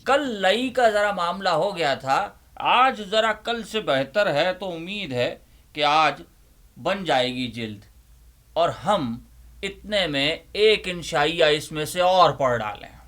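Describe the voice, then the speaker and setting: A man acts out a fussy old neighborhood librarian with a fairly high, forceful, bright voice. He is bookish and theatrical, leaning on his phrases in the style of a dramatic stage reading. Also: expressive. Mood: chatty, welcoming. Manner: emphatic, deliberate, repeats phrases rhetorically. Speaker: host, dramatic reader of Urdu literature.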